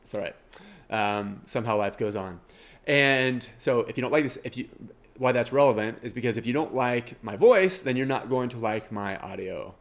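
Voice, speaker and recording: A man's voice: mid-range voice, moderate pace. Middle-aged male podcast host, Kansas twang, nasal tone, casual rambling and self-deprecating delivery.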